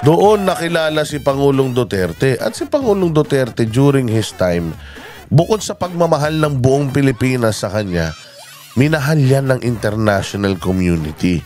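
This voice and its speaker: A man's voice: medium pitch, very animated, normal speed, a little mellow. Guy ranting about politics, lots of ums and ahs, gets heated, faint music behind. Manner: hesitant, many fillers, switches into English, angry swearing. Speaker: political commentary vlogger. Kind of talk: impassioned political commentary.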